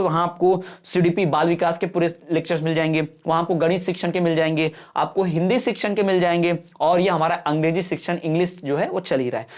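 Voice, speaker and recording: Speaking in a high but darkish-toned voice, a male teacher runs an online exam-prep lesson in mixed Hindi and English. He's patient in his explanations and often checks that students are following.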